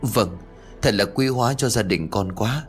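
A man's voice: fairly low pitch, measured pace, faint music behind, lightly acted. Man voicing a polite, eager young man. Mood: relieved.

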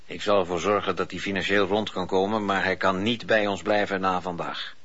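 An actor playing a stern, firm husband in a Dutch radio drama, with a husky voice. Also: male voice, sits low, fairly even intonation, a little fast, a bit bright. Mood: firm, unyielding. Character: stern, firm husband William, soothing yet unyielding. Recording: dull lo-fi radio play recording.

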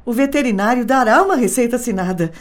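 Voice an actress playing a young Brazilian woman in a radio drama, pitched a little high. She is polite and persuasive, keeping up a careful show of calm while hiding desperation. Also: fast, natural voice. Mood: feigned calm.

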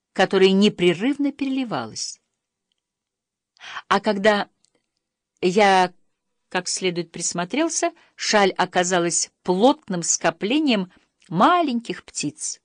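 A woman reading an audiobook aloud, telling a first-person travel story in an expressive storytelling manner. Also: mid-range voice, dry recording, studio quality. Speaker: audiobook narrator. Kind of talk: scripted audiobook narration.

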